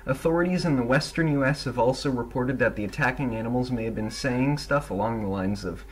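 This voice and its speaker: A man's voice: mid-range voice, a little fast, slightly rough, low-quality recording. A man reading a scripted news report as a reporter.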